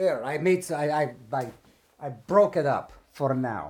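Pitched fairly high, a man speaks in a plain, everyday voice with ordinary pitch variation. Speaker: radio host. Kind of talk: radio DJ patter, casual freewheeling music-show chatter. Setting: radio station studio broadcast. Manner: rambling, conversational, self-correcting and wry.

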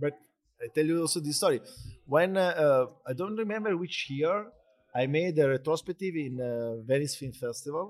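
Lively intonation from a man at a fairly high pitch and a moderate pace. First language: Italian (speaking Dutch). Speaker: documentary filmmaker. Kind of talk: interview. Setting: live recording at a film festival.

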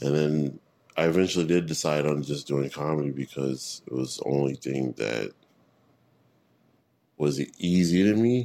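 With a very deep, low pitch and a dark, mellow tone, a man talks at a moderate pace with ordinary pitch variation and long, frequent pauses. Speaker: podcast guest, stand-up comedian.

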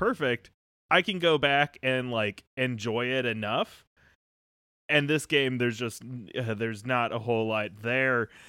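Pitch moves in ordinary ways across a plain, everyday voice. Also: man. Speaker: podcast host discussing video games. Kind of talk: casual chat.

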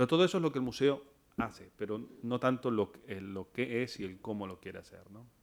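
A man with a plain, everyday voice speaks at a medium pitch and a fairly quick pace, with lively intonation and big swings in loudness. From Argentina, Buenos Aires, raised in Spain (Barcelona). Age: 50s. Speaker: museum director. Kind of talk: lecture.

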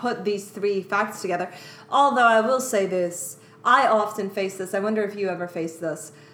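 Over noticeable background noise, a woman talks at a moderate pace and a medium pitch. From Sweden. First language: Swedish. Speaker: podcast host. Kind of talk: casual chat.

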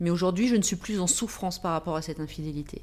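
A woman at a medium pitch with lively intonation. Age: 50s. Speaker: coaching client. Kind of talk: testimony. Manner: halting.

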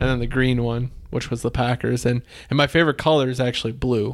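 Over a silent background in a very clean recording, a man with an American accent talks at medium pitch in a monotone, flat way. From Wisconsin. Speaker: podcast host. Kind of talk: casual chat. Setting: home recording, video.

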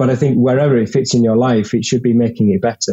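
A man with a northern English accent speaks very fast, somewhat breathy, at a medium pitch with fairly even intonation. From northern England, York. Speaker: design agency co-founder. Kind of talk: interview.

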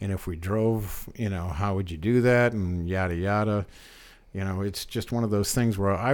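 A man speaks in a plain, everyday voice at a fairly low pitch and moderate pace, with ordinary pitch variation. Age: 60s. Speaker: guest, occasional caller. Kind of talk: casual chat.

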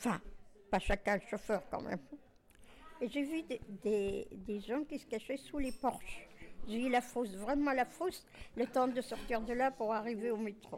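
High-pitched female speech at a fairly slow pace, with ordinary pitch variation and long, frequent pauses. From Tunisia. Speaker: retired hospital care assistant. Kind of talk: interview testimony. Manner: halting.

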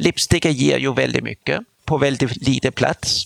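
Moderately paced male speech, dry and close with no echo. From outside Sweden. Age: 50s. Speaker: chef and restaurant owner. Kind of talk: interview. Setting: restaurant.

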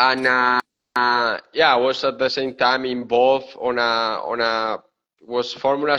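The voice has a bright, sharp tone and a Spanish accent, delivered at a fairly slow pace with monotone, flat intonation. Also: man. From Spain. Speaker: production manager, aerospace engineer. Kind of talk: interview. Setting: video call from home. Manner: halting, many fillers and repeats.

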